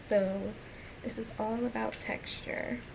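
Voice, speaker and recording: A woman's voice at medium pitch over noticeable background noise. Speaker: natural hair stylist. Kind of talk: hair tutorial talk to camera. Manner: low-energy, subdued.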